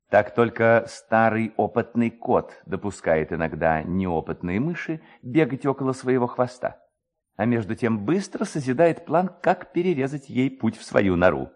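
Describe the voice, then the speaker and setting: A man narrating a literary story with expressive, theatrical phrasing. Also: on the low side. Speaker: narrator, reader.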